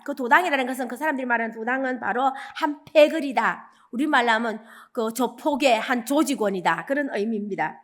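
Woman evangelist from Gyeongsang, high-pitched, lively storytelling preacher. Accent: Gyeongsang Korean. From Gyeongsang region, South Korea. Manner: animated storytelling, acting out quoted lines. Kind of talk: dawn service sermon.

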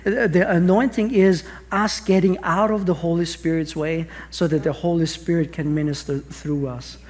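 Earnest Austrian-accented pastor preaching. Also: male voice, fairly high pitch, fairly even intonation, moderate pace, darkish tone. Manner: earnest, with frequent restarts and rhetorical questions. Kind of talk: sermon. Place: large church stage with audience.

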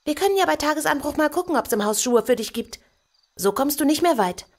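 A woman's voice: high-pitched, lively intonation, fast. An actress playing a bold, perky orphan girl in an audio drama, chirpy and matter-of-fact. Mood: bold, urging. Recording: music behind the voice.

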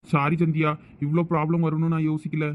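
A man's voice: a little high, completely flat delivery, fairly quick, a little mellow, lo-fi sound, natural voice. A man with a Thoothukudi Tamil accent playing an apologetic young man, speaking a bit away from the mic. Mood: sheepish. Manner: sheepish, agreeing.

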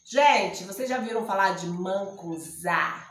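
A middle-aged woman from Ceará with a northeastern Brazilian accent, hoarse, chatting and joking to camera in her home vlog. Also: mid-range voice, slow, fairly bright tone. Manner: joking, chatty, laughs often. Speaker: vlogger. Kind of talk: casual chat to camera. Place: small room indoors at home. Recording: echoey room.

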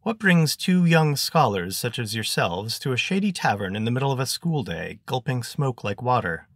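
A man voicing a wordy, pompous gentleman adventurer, in a dry close recording. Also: medium pitch, big pitch swings, moderate pace, no echo, voice pushed up.

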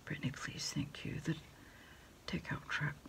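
A middle-aged American woman whispering softly and haltingly in a quiet ASMR roleplay, politely taking orders as if on the phone. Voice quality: breathy whisper with fry. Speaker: ASMR performer playing a takeout order taker. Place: small dim indoor desk space.

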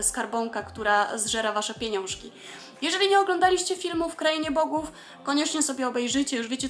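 High-voiced chatty woman vlogger. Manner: chatty, lively, many filler sounds. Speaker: vlogger explaining Japanese. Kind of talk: casual explanatory vlog.

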